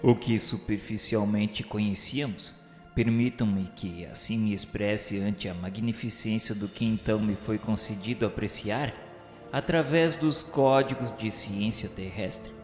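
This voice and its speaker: A man narrating a radio novel in a solemn, grandiloquent, declamatory literary style. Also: fairly low pitch. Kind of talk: scripted dramatic literary narration. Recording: echoey hall with faint music. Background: faint music.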